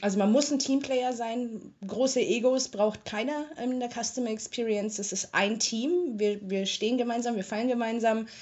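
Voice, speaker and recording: A woman's voice: a little high, darkish tone. Chatty young German woman, muffled recording. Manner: chatty and colloquial, brisk storytelling with frequent filler pauses. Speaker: interviewee, tech customer support worker. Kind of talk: casual interview talk.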